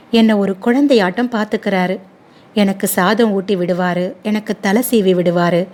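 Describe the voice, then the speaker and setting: Woman reading as a sad young mom, soft and hesitant, storybook voice. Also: medium pitch, lightly acted. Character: troubled sorrowful young mother. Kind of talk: storybook dialogue.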